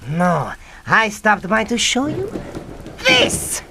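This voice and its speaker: A woman's voice: medium pitch, wildly swooping pitch, slow, creaky, background noise, heavily acted. An actress playing a grandiose, haughty female mad scientist in a comic radio drama, theatrical, sneering and menacing.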